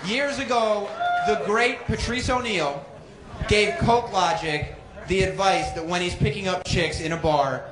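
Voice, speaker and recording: A man working as a warm-up host on stage, bantering casually and teasing the people around him. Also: high-pitched. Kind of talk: live crowd hosting, casual banter. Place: stage at a live event. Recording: live venue with crowd noise. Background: audience noise.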